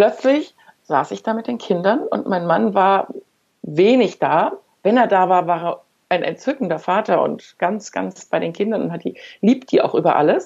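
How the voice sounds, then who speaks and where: A woman speaks with vocal fry. Her intonation is lively. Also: medium pitch for a woman, moderate pace. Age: 60s. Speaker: lawyer and mother of four. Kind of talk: interview.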